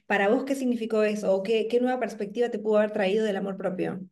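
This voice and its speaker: A woman's voice: medium pitch, steady tone, quick pace, dark tone. Encouraging Rioplatense woman host. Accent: Rioplatense Spanish. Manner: encouraging, thoughtful questions, fillers like "tipo". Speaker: workshop host and interviewer. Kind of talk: warm interview over video call. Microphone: video call, laptop mic.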